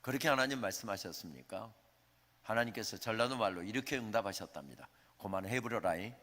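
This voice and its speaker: A man's voice: on the low side, expressive, quick pace, pushed and bright. A male pastor delivering a sermon, telling the story conversationally and addressing the congregation with questions. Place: church sanctuary. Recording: reverberant church sanctuary.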